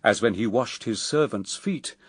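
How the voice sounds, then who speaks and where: An actor reading as the poet, narrating epic verse for radio drama in a solemn, declamatory, measured way. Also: male voice, fairly low pitch, expressive, slightly rough, dry recording, clean studio sound. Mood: solemn, reverent.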